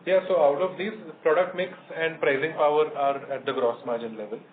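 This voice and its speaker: A man with an Indian accent answering analysts on an earnings call as a company executive, in a measured, hesitant manner. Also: fairly high pitch, steady tone. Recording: noisy narrowband phone conference line.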